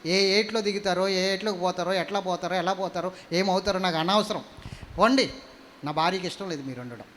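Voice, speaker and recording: A stern, dismissive husband brushing off his wife, as a preacher puts him on. He speaks lower and quieter than the preacher's normal voice, in short, curt words. The voice still sits high for a man. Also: brisk, slight background noise.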